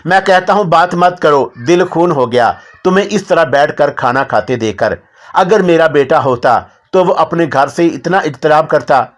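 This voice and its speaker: A man doing a gruff, furious elderly householder. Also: a little high, lively intonation, moderate pace, natural voice. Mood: wounded. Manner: scolding, growling. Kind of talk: audiobook character voice.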